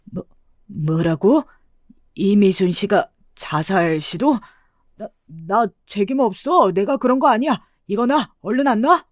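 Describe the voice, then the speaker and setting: A woman voicing a blustering elderly male con man in a storybook drama, shouting his denials. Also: mid-range voice, takes it slowly, no echo, clean studio sound, close to an everyday voice. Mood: panicked.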